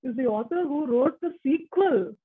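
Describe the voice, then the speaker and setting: A woman's voice: sits high, lively intonation, moderate pace, slightly rough. A woman in her forties whose first language is Tamil, talking casually as an interview guest, chatty with frequent restarts. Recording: muffled phone-like line.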